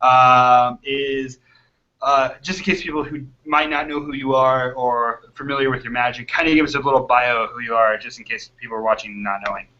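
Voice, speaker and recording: A man hosting a casual video chat from a hotel room, chatty and quick to laugh. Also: medium pitch, fairly even intonation, bright, forceful tone. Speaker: host. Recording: lo-fi web call audio.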